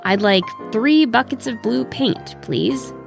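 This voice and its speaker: A woman's voice: fairly high pitch, lively intonation, slow, gravelly, over music, pitched above the performer's own voice, heavily acted. Woman as a meek, pleading little chipmunk. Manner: polite, pleading. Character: small, meek, pleading male chipmunk worker. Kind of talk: children's storybook character voice.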